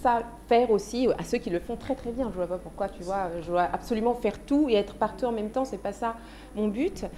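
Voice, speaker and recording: Soft-toned woman guest chatting on TV. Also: a little high, fairly quick. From France. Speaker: guest singer. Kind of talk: casual TV interview chat.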